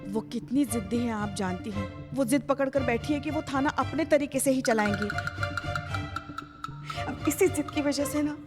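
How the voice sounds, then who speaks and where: An actress playing an older, emotional head constable who pleads dramatically and stammers, in a TV serial. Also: female voice, sits high, normal speed, over music, natural voice. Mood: earnest worried. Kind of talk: TV serial acting.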